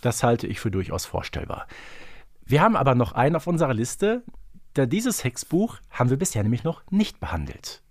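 A man co-hosting a casual fan podcast, speaking deliberately with slightly formal phrasing. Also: medium pitch, big pitch swings, no room sound. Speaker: podcast co-host.

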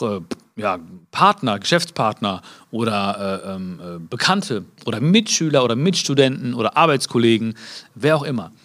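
A man giving a live motivational talk. He speaks to his listeners directly, acts out little dialogues and jumps high in pitch to stress a point. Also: fairly bright tone. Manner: many fillers and restarts, acts out small dialogues.

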